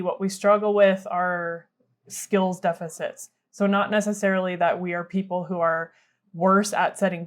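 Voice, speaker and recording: Thoughtful woman explaining conversationally. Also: mid-range voice. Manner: thoughtful, conversational, many fillers like "like" and "right". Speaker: therapist and panelist. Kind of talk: casual explanatory discussion.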